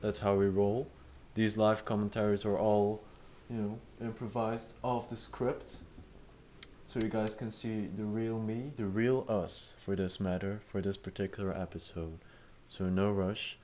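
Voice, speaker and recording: A young man with a slightly low voice hosts an unscripted chat. He rambles loosely, stacks up fillers and restarts, and swears in passing. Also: level tone, a little slow, mellow. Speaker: host. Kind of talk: improvised casual commentary.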